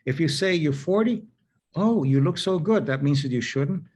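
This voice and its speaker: A man's voice: on the high side, animated, normal speed, a little mellow. A man hosting a conversational interview, telling anecdotes and acting out quoted dialogue. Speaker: host.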